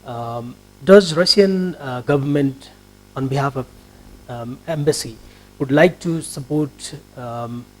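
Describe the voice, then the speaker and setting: A man's voice: medium pitch, takes it slowly, poor audio. A man from Nepal with a Nepali accent, politely putting long, wordy questions as a television interviewer. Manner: polite, wordy questions with frequent filler phrases. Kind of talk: formal broadcast interview.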